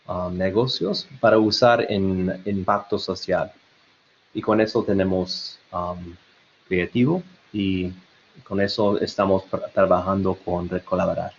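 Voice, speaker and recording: A man's voice: sits low, a little hiss or hum. A man with an American-tinged Spanish accent giving an online webinar presentation, hesitant with many fillers and restarts. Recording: dull lo-fi web call audio.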